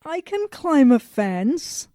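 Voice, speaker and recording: A woman plays a half-robot woman in an audio drama. She is cocky and teasing, with a soft-edged, slightly high voice and a deadpan ease, recorded dry. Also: takes it slowly, no echo, exaggerated voice. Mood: matter-of-fact.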